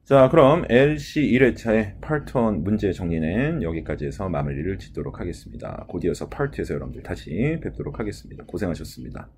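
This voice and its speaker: Low dark-voiced guy lecturing on test answers, talks with lots of little fillers. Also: big pitch swings, a little fast, few pauses, a little hiss or hum. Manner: filler-heavy lecturing, frequent "ja" and "ye"; mimics English pronunciation in examples. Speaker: TOEIC listening instructor.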